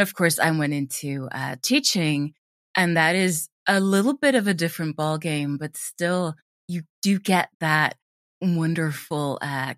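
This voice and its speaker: Low-voiced, chatty woman. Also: a bit bright, no echo, studio quality. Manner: chatty, enthusiastic. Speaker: interview guest, drama teacher and audio drama creator. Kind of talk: casual conversational interview. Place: at home, remote interview.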